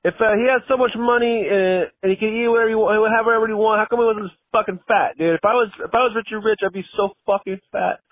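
A man's voice: sits high, steady tone, fast talker, few pauses, no room sound. A man leaving a voicemail over the phone, a casual rant that is blunt and full of swearing. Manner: profane, blunt. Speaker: voicemail caller. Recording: tinny, narrow phone voicemail.

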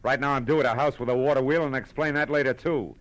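An actor playing a tough, brusque American private detective in an old radio drama, clipped and wry. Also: male voice, mid-range voice, fairly even intonation, quick pace, fairly bright tone, dry recording, close to an everyday voice. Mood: brusque urgency. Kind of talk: 1940s American radio drama, narration and dialogue.

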